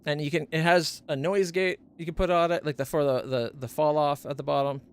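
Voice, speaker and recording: His tone is clean and steady, and he talks fairly quickly in a voice that's not very deep. Streaming from home on a close studio condenser mic, he rambles casually about his gear, correcting himself and fumbling names.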